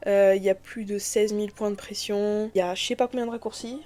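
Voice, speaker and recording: A woman's voice: mid-range voice, fairly even intonation, fast talker, mellow. A young adult woman chatting casually to viewers in a vlog, rambling enthusiastically and full of slang as a digital artist reviewing gear.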